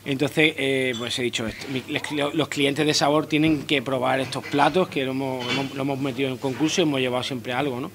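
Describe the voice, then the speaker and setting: A man's voice: medium pitch, steady tone, a little fast, few pauses, background noise. A man in his thirties, a chef, answering interview questions in a restaurant dining room into a handheld mic, often repeating words and restarting. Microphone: handheld interviewer mic held close.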